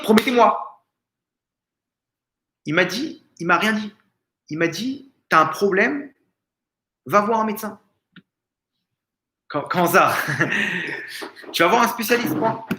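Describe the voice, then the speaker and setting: A man's voice: high-pitched, unhurried, pauses often, a little hiss or hum. Man telling a story, echoey room. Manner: animated storytelling, acting out quoted speakers. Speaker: rabbi. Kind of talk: Torah lesson told as a story. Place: family home.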